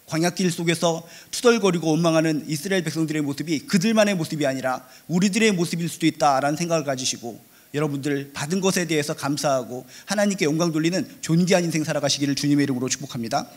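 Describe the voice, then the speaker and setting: A man preaching a sermon as pastor, fervent and emphatic, repeating key phrases and rising loud to stress a point. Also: fairly high pitch, quick pace, hardly any pauses.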